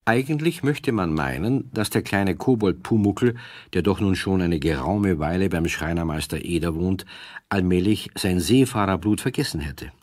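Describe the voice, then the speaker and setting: A calm storyteller for a children's audio play. His voice is low and husky, recorded close and dry, narrating in storybook style. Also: normal speed, no echo.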